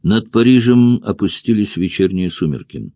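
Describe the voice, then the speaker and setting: A male narrator reading a thriller audiobook in a steady, measured way. His voice is very deep, with a dark, mellow tone. The recording is close and dry, with no room sound. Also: no echo. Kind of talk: scripted narration of a thriller novel.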